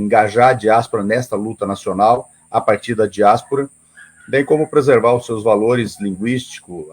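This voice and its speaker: A man's voice: on the low side, slightly rough. A middle-aged man, explaining things as an interview guest in formal, wordy phrasing. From Paraná, southern Brazil. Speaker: interview guest, association president.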